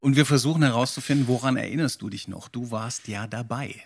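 A man's voice: medium pitch, fast, gravelly, breathy edge. Middle-aged man hosting a casual podcast. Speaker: podcast host. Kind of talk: casual chat. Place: small home study, indoors.

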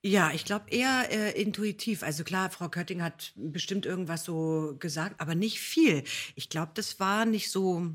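A woman's voice: lowish voice, moderate pace, hardly any pauses. A woman chatting informally on a podcast, reminiscing in a self-deprecating, casual way. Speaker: podcast guest, voice actress.

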